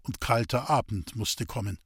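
A man tells a classic tale in a steady, measured storytelling voice. His tone is slightly husky, sitting in an ordinary middle register. The recording is close and dry, with no room around him. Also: mid-range voice, no room sound. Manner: measured storytelling, giving the characters rural dialect. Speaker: audiobook narrator. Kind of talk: audiobook reading of a classic novel.

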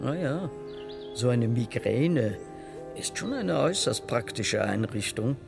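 A bitter, reproachful dead parent. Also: male voice, medium pitch, lively intonation, slow, creaky, music in the background. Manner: reproachful, sneering. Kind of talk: radio play monologue.

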